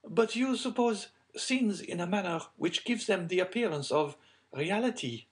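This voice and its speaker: A man's voice: high-pitched, animated, unhurried, pitched above the performer's own voice. A man voicing an anxious, genteel baroness in a storybook, refined and faltering as she hides distress. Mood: anxious, composed.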